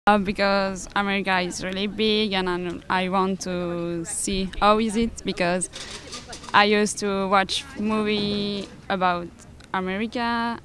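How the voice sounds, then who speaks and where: Eighteen-year-old woman from Belgium, halting. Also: mid-range voice, fairly even intonation, fairly bright tone. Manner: halting, searching for words. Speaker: exchange student. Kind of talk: school news interview.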